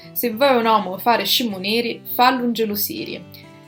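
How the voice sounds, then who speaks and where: With music playing in the background, the talking goes at a fairly quick pace. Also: woman. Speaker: presenter reading Sicilian proverbs. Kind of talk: proverb reading with explanations.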